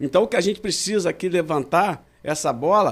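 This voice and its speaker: Lively intonation colors a man's speech, delivered at a fairly quick pace. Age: 60s. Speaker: local politician. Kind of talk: podcast interview.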